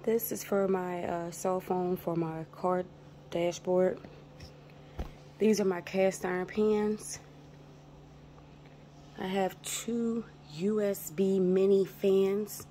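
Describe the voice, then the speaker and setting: Woman, vlog host, very slow pace, soft mellow tone, casual narration, handheld phone indoors. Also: mid-range voice, steady tone. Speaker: vlogger, channel host. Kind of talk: casual show-and-tell narration. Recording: noticeable background noise on phone recording.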